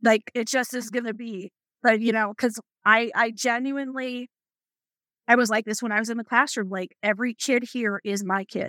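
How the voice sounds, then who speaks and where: In a dry, close recording with no echo, a woman with a fairly high, bright, sharp voice speaks at a moderate pace in monotone, flat intonation. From Arizona. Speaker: high school principal. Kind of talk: radio interview.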